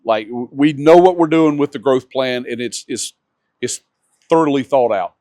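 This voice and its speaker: A man's voice: mid-range voice, normal speed, dry recording, clean studio sound. A man who owns a local business, chatting casually with a big voice and frequent restarts. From North Augusta, South Carolina. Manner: loud, hesitant with restarts, enthusiastic. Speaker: local business owner guest. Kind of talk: casual interview chat.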